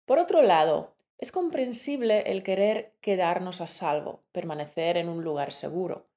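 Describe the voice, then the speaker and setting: A woman co-hosting a language lesson, speaking clearly and deliberately and calling the listener an endearment. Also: fairly low pitch, lively intonation, warm tone. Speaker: language teacher, co-host.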